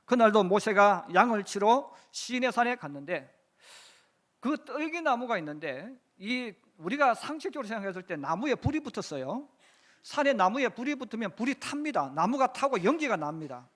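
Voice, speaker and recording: Man, pastor, high voice, church sermon, storytelling, rhetorical questions. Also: very animated, moderate pace, fairly bright tone. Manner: storytelling, acting out biblical dialogue. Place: church sanctuary.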